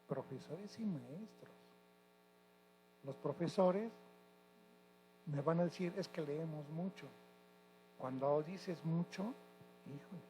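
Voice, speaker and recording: A man in his sixties from Mexico, a retired high school teacher answering interview questions in an emphatic, lecturing way. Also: warm tone, slight background noise, poor audio. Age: 60s. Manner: emphatic, lecturing, corrects pronunciation.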